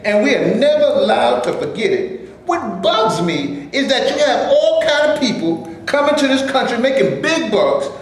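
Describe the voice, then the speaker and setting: An actor in a staged reading playing an earnest, heated Black actor from the 1930s who wants justice. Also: male voice, very high voice. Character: Black male actor in the 1930s, indignant and determined. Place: stage before a live audience. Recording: very echoey room, faint noise.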